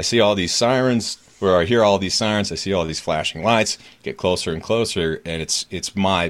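This man has a fairly low pitch and an American accent, an unremarkable speaking voice. He keeps a moderate pace with ordinary pitch variation. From New Hampshire, US. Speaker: author and podcast host. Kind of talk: interview.

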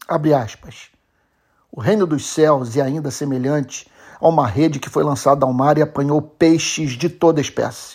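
In a solemn tone, a man speaks at a moderate pace with ordinary pitch variation, on a very clean recording with a silent background. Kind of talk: sermon-style devotional commentary. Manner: solemn, earnest, formal, pastoral; firm, indignant, measured, point-by-point.

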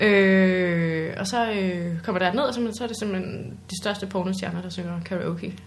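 A woman talks at a fairly slow pace and medium pitch, with ordinary pitch variation and hardly any pauses. There is audible room echo along with noticeable background noise. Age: 20s. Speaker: comedian. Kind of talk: casual chat.

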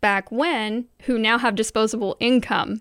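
A woman uses a plain, everyday voice with a fairly high pitch and fairly even intonation. The very clean recording is dry and close with no echo and a silent background. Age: 30s. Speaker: podcast host. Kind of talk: casual chat.

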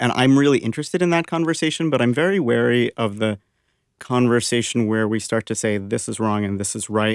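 A man with an American accent and a plain, everyday voice talks fairly quickly at medium pitch with lively intonation, on a very clean recording with a silent background. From US. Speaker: playwright. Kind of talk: panel discussion.

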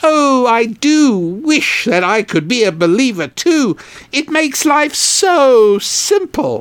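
Speaking at a fairly slow pace, a female-sounding voice puts on a whiny, high-pitched character voice. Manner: plaintive, whining.

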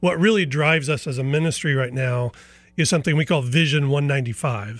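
Recorded very cleanly against a silent background, a man speaks with a fairly high, somewhat breathy voice and ordinary pitch variation. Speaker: ministry staff guest. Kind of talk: casual radio interview. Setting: studio.

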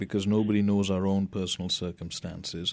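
At a moderate pace, a man with an unremarkable speaking voice talks at a fairly low pitch against a quiet background. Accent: American. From Indian American. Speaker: radio talk show host. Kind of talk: interview.

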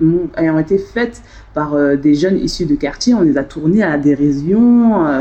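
A woman with a normal speaking voice talks at a moderate pace. Her fairly low pitch moves with lively intonation. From France, Paris suburbs (Seine-Saint-Denis). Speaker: education program manager at a youth association. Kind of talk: interview conversation.

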